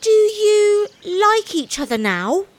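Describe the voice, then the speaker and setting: A woman voicing a curious, polite young boy in a small, high childlike voice. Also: sing-song, slow pace, full character voice.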